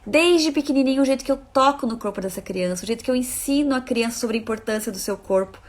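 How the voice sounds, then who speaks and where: A woman with a somewhat high voice gives a live talk as a parenting educator. She is emphatic, driving her points home by repeating phrases and calling out to her audience, and now and then she reads viewer comments aloud. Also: fast. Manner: emphatic, repeats key phrases, addresses listeners as "gente".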